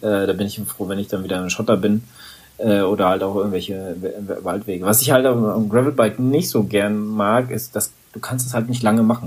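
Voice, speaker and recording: With a fairly low pitch and ordinary pitch variation, a man talks at a fairly quick pace. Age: 40s. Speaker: podcast host. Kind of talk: casual chat. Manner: halting.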